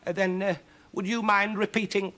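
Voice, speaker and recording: A man voicing a miserable, snappish old witch in a storybook, with a shrill, plaintive snarl. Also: level tone, normal speed, pushed and bright. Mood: wailing, desperate. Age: older.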